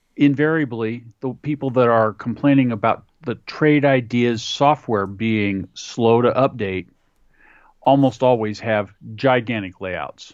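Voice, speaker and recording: A man with a plain, everyday voice talks at a fairly slow pace and medium pitch, with ordinary pitch variation against a quiet background. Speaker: customer service and tech support lead. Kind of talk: casual interview chat.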